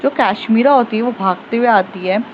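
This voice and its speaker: A woman's voice: a little high, moderate pace, lo-fi sound, slight background noise. A woman retelling a romance story in a casual, chatty way, with many fillers and restarts. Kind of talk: casual spoken storytelling podcast.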